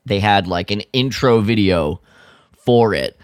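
A man co-hosting a podcast in casual chat, thinking aloud in loose, halting phrases. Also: lowish voice, no room sound, studio quality. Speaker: podcast co-host.

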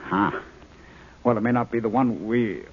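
An actor playing an eager, commanding scientist with an American accent in a 1950s radio drama. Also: male voice, fairly low pitch, moderate pace, slightly rough. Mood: businesslike. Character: eager, commanding male scientist in charge of a project. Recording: tinny, noisy 1950s radio recording.

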